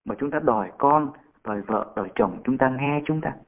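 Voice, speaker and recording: A man's voice: mid-range voice, animated, moderate pace. A man, a Catholic priest, giving a sermon and telling a story to his congregation. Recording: tinny phone-like radio sound.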